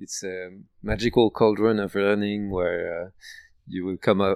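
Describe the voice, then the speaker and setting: Speaking with a French accent, a man with a fairly low voice talks at a moderate pace in a flat monotone, recorded dry and close with no echo on a very clean, silent background. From France, Paris. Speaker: software developer. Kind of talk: casual chat.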